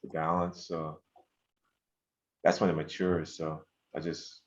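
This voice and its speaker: A man's voice: very deep voice, flat delivery, takes it slowly. A man on a board asking probing questions about a loan's repayment, cautious, with many fillers. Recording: dull lo-fi call audio.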